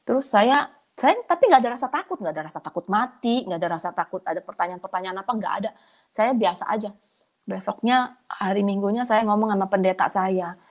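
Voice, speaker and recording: A woman sharing a personal testimony in a casual, colloquial way, her voice leaping up when she gets excited. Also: fairly quick. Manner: animated, pitch leaping up in excited moments; colloquial, chatty delivery addressing listeners as friends. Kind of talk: conversational testimony storytelling.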